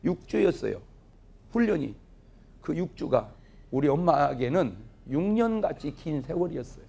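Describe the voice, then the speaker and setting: Middle-aged male pastor, husky and animated, storytelling sermon that plays out family dialogue. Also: on the high side, normal speed. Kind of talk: revival sermon with humorous stories. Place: church revival meeting, audience laughing.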